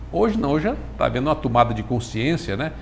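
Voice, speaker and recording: This is a man talking. His pace is fairly quick. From Brazil, Ceará (Fortaleza). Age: 60s. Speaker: retired university professor and former rector. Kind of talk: TV interview. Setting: studio. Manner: halting.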